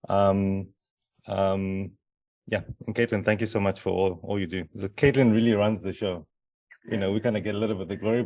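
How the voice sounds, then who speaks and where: Middle-aged presenter from Zimbabwe, flat and monotone, dry close sound, hesitant delivery. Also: male voice, sits low, gravelly, no echo. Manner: hesitant, many fillers and restarts. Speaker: conference presenter. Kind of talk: conference talk.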